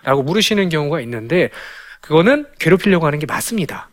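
Lively high-voiced man giving a parenting talk. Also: fast. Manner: animated, asks rhetorical questions, acts out children's lines. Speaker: parenting educator. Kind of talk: parenting lecture.

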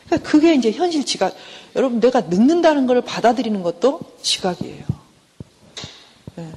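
A middle-aged woman professor gives a conversational university lecture on counseling in a fairly high, sing-song, slightly mellow and rough voice. She questions the class, supplies the answers herself, and acts out quick everyday exchanges in shifting voices. Long reverb from the lecture hall fills the recording.

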